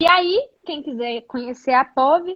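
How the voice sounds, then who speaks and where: A woman talks with lively intonation at a fairly slow pace. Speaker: education researcher, master's student. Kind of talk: live video chat about teaching methods. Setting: online live stream.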